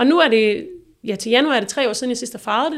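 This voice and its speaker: A woman's fairly high voice, with ordinary pitch variation, comes through on a very clean recording with a silent background. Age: 40s. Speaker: influencer. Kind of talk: casual chat.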